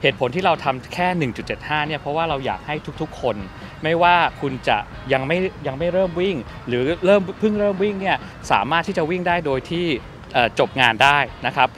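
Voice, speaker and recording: Measured middle-aged man, polite filler-laden speech. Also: on the high side, animated, a bit bright, faint music behind. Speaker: company representative. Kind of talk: formal press interview. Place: outdoor park at an event. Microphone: press microphones held close.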